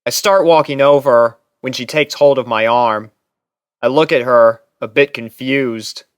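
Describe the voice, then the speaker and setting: A man's voice: mid-range voice, a little slow, clear, resonant tone, no room sound, clean studio sound. A man reading scripted first-person fiction aloud as a story narrator. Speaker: narrator and reader.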